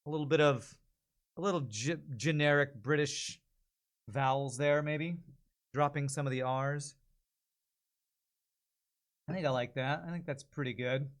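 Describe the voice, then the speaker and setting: A man's voice: a little high, unhurried, long pauses. A man chatting casually as a streamer, thinking aloud to his viewers. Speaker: streamer practicing voice-over.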